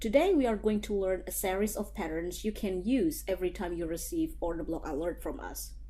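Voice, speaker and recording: A woman is talking fairly quickly. She has a non-native accent. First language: not English. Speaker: forex trading educator. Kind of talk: tutorial.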